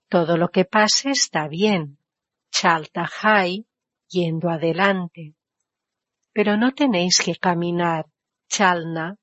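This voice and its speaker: A woman interprets a spiritual discourse in a slow, unhurried delivery and a somewhat low voice. She keeps putting questions to her listeners and stops to explain foreign terms. The sound is dry and a bit dull, like a lo-fi recording. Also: no echo. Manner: rhetorical questions to the audience, explains foreign words.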